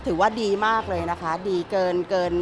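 With music in the background, a middle-aged woman event organizer answers interview questions in a medium-pitched, steady voice. She stands before several handheld press mics in an indoor hall, speaking fast and matter-of-factly and often restarting her words.

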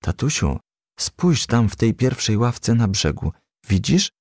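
A man's voice: mid-range voice, sing-song, measured pace, a little mellow, no room sound, clean studio sound. A man voicing an eager, anxious little boy firefly in a children's storybook, full of questions. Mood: excited. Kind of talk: children's storybook character reading.

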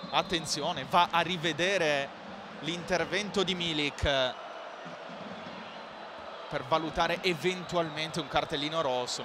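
A man with an Italian accent giving live football match commentary. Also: a little high. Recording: commentary over stadium noise.

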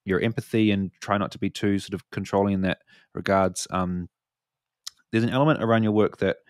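A male podcast host with a fairly low voice, easygoing and rambling, full of ums and restarts as he circles a question. The sound is close and dry. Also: brisk, dry recording. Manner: rambling, hesitant, relaxed. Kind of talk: casual podcast chat.

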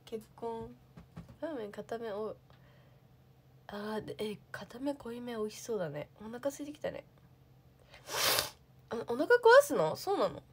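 A woman's voice: on the high side, lively intonation, a little slow, long pauses, a little mellow, slight background noise. A young woman, an idol, chatting casually on a livestream, answering viewer comments and thinking aloud with lots of fillers.

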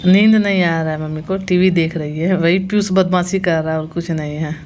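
A woman's voice: fairly low pitch, steady tone, fairly quick, a little mellow, slight background noise. A woman in her thirties from India, chatting through a casual voice-over of her family's daily routine and explaining each clip. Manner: chatty, explains what is on screen step by step. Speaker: family vlogger and mother.

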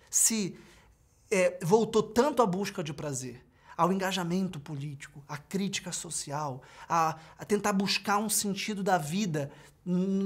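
Male lecturer, 30s, Brazilian accent. Emphatic professor delivery, points hammered home in repeated lists. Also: high-pitched. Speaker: professor giving an open class. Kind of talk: lecture to camera. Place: wood-panelled study with bookshelves, seated at desk.

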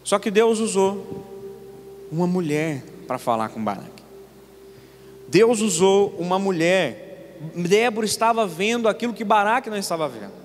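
High-voiced young pastor preaching in church. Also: male voice, lively intonation, normal speed, pauses often, a little hiss or hum. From Paraná, Brazil. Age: 20s. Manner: storytelling with rhetorical questions to the congregation. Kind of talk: sermon. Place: church sanctuary. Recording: long church reverb, faint room ambience.

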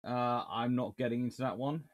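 A man's voice: mid-range voice, fairly quick. A man in his thirties hosting a casual livestream from his home study, reading out viewer comments and rambling through answers with restarts. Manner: rambling, animated, with many restarts and fillers. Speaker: naval history livestream host. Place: small home study with shelves of books.

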